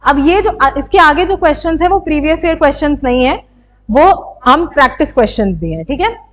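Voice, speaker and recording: A woman's voice: high-pitched, animated, fairly quick. A young woman teacher giving an exam-prep lecture, explaining and asking her students rhetorical questions.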